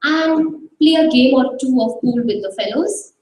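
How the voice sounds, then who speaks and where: A woman's voice: high-pitched, unhurried, a little mellow, a little hiss or hum. A woman reading aloud, voicing a weary young husband in a dramatized story reading. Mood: casual. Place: live arts festival stage. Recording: echoey hall from far off.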